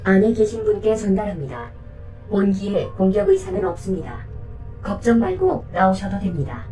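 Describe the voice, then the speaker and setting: An actress playing a polite, unflappable combat robot that protects humans, speaking in formal, matter-of-fact reports in an audio drama. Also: female voice, medium pitch, very animated, moderate pace, far from the mic, over music, lightly acted. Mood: calm, formal.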